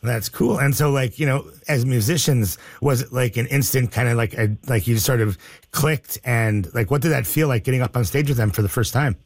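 A man's voice: mid-range voice, moderate pace, no room sound. A man interviewing a musician, asking loose, rambling questions filled with fillers. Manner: rambling questions full of likes. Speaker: radio interviewer.

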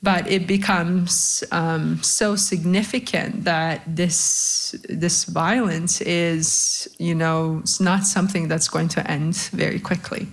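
Woman in her thirties from Bosnia, low and gravelly, a reflective panel guest. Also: fairly even intonation, slow pace, few pauses. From Bosnia-Herzegovina. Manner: thoughtful, many fillers and restarts.

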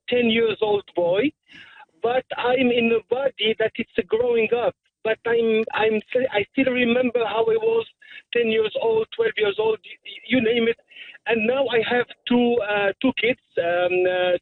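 A man's voice: extremely high pitch, vocal fry. A man in his fifties from Tunisia, calling in to a radio show and speaking hesitantly with many fillers and restarts. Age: 50s. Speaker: caller. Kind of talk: phone-in call to a radio show. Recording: tinny phone line.

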